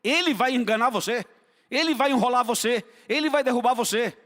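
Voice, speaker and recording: A man preaches with a high, ringing voice, driving his points home through repetition and direct questions to the congregation. His words trail off into the long echo of a church hall. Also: brisk, fairly bright tone. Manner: fervent, repetitive, asks the congregation for responses. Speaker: pastor. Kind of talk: sermon.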